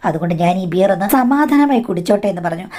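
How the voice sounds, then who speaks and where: A woman narrating a scripted life story in a steady, measured way. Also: medium pitch.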